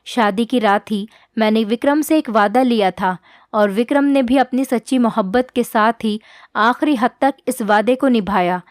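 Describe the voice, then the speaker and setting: A woman telling a heartfelt first-person story as a scripted narration, in a steady, earnest reading. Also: on the high side, normal speed, no echo, studio quality.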